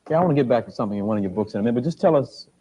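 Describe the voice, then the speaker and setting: A man hosting a TV talk show, cutting in quickly with questions. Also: medium pitch, animated, warm tone, breathy edge. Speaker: TV host. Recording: distant, dull lo-fi TV audio.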